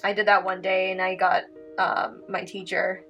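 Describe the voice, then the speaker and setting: A woman's voice: medium pitch, completely flat delivery, moderate pace, fairly bright tone. Chatty woman with faint music behind. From Canada. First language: Italian. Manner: chatty, heavy filler words, giggly asides. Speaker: painting tutorial host. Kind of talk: casual painting tutorial chat.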